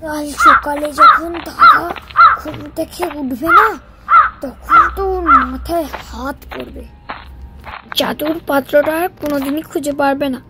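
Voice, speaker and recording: A woman's voice: high-pitched, expressive, unhurried, heavy background noise. A woman voicing a greedy, sly younger brother in a cartoon moral story, talking in an exaggerated way. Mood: sneaky, gloating. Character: scheming, greedy younger brother, a village husband and thief.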